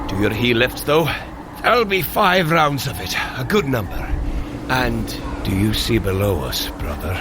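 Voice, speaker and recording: An actor voicing a hearty, teasing thunder god who gives commands in archaic phrasing in an audio running adventure. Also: male voice, mid-range voice, big pitch swings, a little slow, background noise. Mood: hearty, steady. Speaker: workout guide character in an audio running drama. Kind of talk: dramatised fitness audio adventure.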